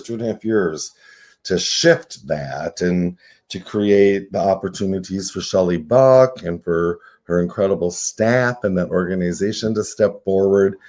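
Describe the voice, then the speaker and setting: An older man talks in a mellow, somewhat low voice. He speaks as a guest on a radio talk show, reflective and earnest, often tagging his points with "right?". His tone is dark and relaxed rather than bright. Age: 60s. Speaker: nonprofit CEO, guest. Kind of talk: casual radio interview.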